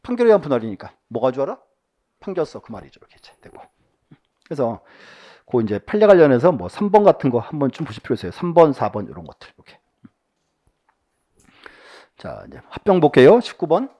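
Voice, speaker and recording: A man teaching an exam-prep lecture, reading questions aloud and firing quick rhetorical questions at his listeners, with soft near-whispered asides. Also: medium pitch, big pitch swings.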